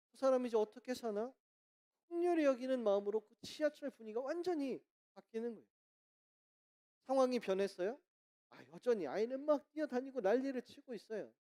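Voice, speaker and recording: A woman pastor preaching a sermon in church, lively and asking the congregation questions. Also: mid-range voice. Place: church sanctuary.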